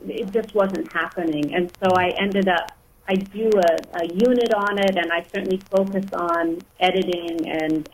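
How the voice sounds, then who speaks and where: A woman's voice: on the low side, slight background noise, low-quality recording. A woman speaks as a guest on a radio show in a radio studio. She talks casually about teaching, starting and restarting her sentences as she works out her thoughts. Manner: hesitant, restarts sentences often. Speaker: author and writing instructor, guest. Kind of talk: casual radio interview talk.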